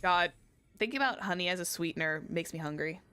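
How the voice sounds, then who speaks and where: A woman's voice: lowish voice, lively intonation, fast talker, sharp tone, clear, resonant tone. A woman live streaming a game, talking casually with informal asides. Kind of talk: live game stream, casual commentary and reading dialogue aloud. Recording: music behind the voice.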